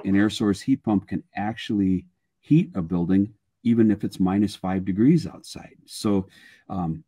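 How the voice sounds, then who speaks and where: A man's voice: fairly low pitch, mellow, husky. An older man speaking as a guest expert, explaining technical matters informally on a webinar video call. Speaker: guest expert, structural engineer and sales manager.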